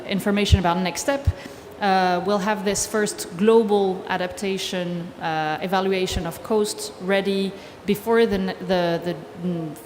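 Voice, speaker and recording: A woman in her thirties giving a measured, explanatory presentation at a podium in a large conference hall. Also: medium pitch, slight background noise. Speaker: conference panel speaker. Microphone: podium microphone from a distance. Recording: roomy hall reverb, faint ambience.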